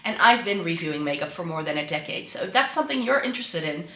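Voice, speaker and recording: A woman's voice: on the low side, lively intonation, fast, pushed and bright, echoey room. Congested woman from the Netherlands, chatty. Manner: chatty, with frequent ums and restarts. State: congested and slightly raspy from flu. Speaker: beauty vlogger. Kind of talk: casual chat to camera. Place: home room by a Christmas tree. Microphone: camera mic, set some way off.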